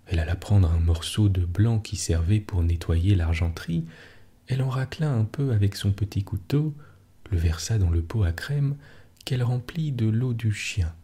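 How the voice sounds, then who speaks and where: A man softly reading a children's story aloud for a sleep podcast, in a hushed, soothing way. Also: lowish voice, husky.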